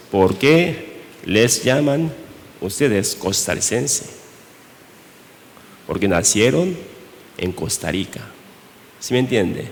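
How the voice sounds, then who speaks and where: Slow Korean-accented pastor in reverberant hall. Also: male voice, lowish voice, slight background noise. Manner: slow, halting delivery with rhetorical questions. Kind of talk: sermon.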